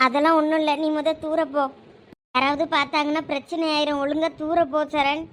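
A woman's voice: high voice, level tone, a little fast, fairly bright tone. A woman playing a stubborn, tearful young college girl from a village, speaking with a Thoothukudi Tamil accent and pleading insistently. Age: young adult.

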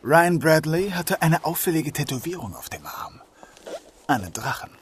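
A careful, dry-humoured detective inspector played by a man in a crime audio drama. His voice sits a little high for a man and there is clear noise behind it. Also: very animated, moderate pace. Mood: serious, wary. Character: dry, cautious male police detective inspector narrating his case. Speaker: lead actor and narrator.

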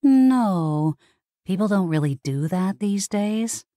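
A woman's voice: medium pitch, lively intonation, takes it slowly, mellow, no echo, studio quality. A woman voicing a young modern witch in an audiobook, plain-spoken and bemused. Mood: bemused, firm. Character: young modern witch, puzzled straight-talking sleuth. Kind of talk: audiobook character dialogue.

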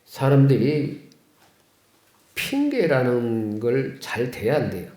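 A Catholic priest gives a homily in a folksy, questioning way and keeps turning to the congregation for replies. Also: male voice, mid-range voice, wildly swooping pitch, takes it slowly, warm tone. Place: chapel of a care center. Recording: echoey room.

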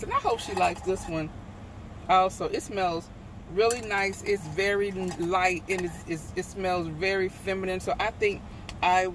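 A middle-aged woman talks through her shopping haul on a phone held at arm's length, rambling and correcting herself as she goes. Her voice sits at an ordinary middle pitch. Steady car and street noise runs behind her in the noisy phone recording. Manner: chatty, rambling, with frequent ums and self-corrections. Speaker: vlogger. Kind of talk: casual shopping haul vlog. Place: store then parked car with air conditioner on. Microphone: handheld phone at arm's length.

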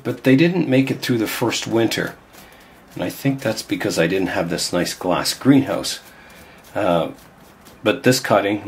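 Hoarse older man working in a greenhouse. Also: fairly low pitch, slight background noise. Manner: chatty, thinking aloud while working. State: hoarse from a cold. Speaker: bonsai channel host. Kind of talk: casual hands-on demonstration. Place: glass greenhouse.

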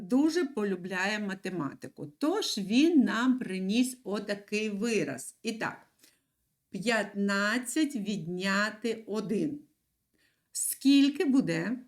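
A woman teacher giving a video lesson to young children, stressing words slowly and clearly with a sing-song lilt. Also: mid-range voice. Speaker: primary school teacher.

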